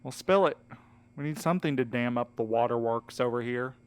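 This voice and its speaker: A smooth, clear male voice of middle pitch from an actor plays a protective, exasperated friend in an audio drama. He is earnest and direct, with some light sarcasm. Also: brisk, natural voice. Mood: teasing. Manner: direct, plain-spoken, mildly sarcastic.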